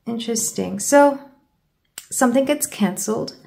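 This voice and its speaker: A woman's voice: a little high, normal speed, gravelly, darkish tone. A woman giving a tarot card reading to her viewers, stumbling over her words and sounding congested from a sore throat. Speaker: tarot reader.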